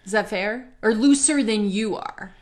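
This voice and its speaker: A woman's voice: mid-range voice, normal speed, darkish tone. A woman hosting a live online conversation, candid and chatty, laughing often. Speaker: host.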